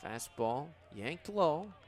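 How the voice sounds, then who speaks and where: A man's voice: a little high, very animated, takes it slowly, darkish tone. A young American man in his twenties calling baseball play-by-play for radio in clipped, descriptive phrases. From United States. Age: 20s. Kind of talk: radio sports commentary.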